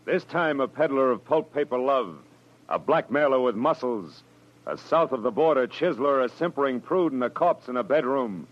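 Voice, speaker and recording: A man acting a wry, world-weary private detective in a 1940s radio drama, with clipped, slangy, deliberate delivery. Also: medium pitch, expressive, lightly acted. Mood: hard-boiled teaser. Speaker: lead actor and narrator. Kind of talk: 1940s radio drama acting, first-person noir narration. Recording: muffled old radio broadcast, music behind.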